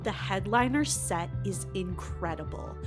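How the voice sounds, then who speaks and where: A woman's voice: mid-range voice, expressive, unhurried, music in the background. A woman narrating a comic audio drama in a playful, mock-dramatic way. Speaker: podcast host and narrator. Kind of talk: scripted storybook narration.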